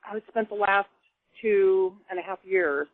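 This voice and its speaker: A woman guest on a radio talk show telling stories in an animated, laughing way. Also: medium pitch, a little slow, dry recording. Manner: animated storyteller, laughs often. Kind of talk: casual radio chat. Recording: dry phone-line call audio.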